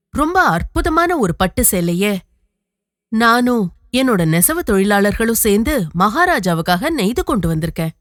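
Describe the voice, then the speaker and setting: Woman voicing a crafty, boastful weaver man, lively pitch. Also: lightly acted. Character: crafty poor male weaver posing as grand merchant. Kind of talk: children's cartoon storybook dialogue. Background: music.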